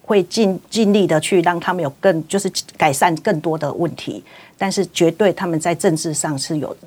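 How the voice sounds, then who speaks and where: A woman interpreter in a radio studio renders each answer with many fillers and restarts. Her voice is very low and husky. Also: brisk, darkish tone. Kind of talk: consecutive interpretation.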